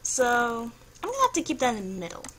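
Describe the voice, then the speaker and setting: Young female vlogger, slightly high voice, noncommittal think-aloud delivery, home recording with a little noise behind. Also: huge pitch swings, fast, fairly bright tone. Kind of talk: casual chat, thinking aloud through a personality quiz.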